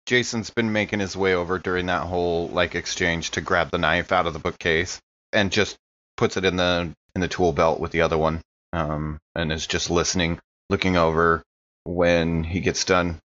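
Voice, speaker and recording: A man with a low voice plays a tabletop roleplaying game. He shifts casually between describing actions and speaking in character. The recording is a little dull and muffled. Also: fairly even intonation, normal speed, fairly bright tone. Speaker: player in a tabletop roleplaying podcast.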